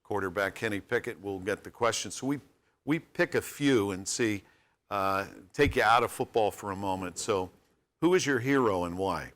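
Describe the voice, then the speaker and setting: A man hosting a college sports radio show, talking with a bright, forceful edge in a lowish voice. He keeps things friendly and folksy and drops in joking asides. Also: moderate pace.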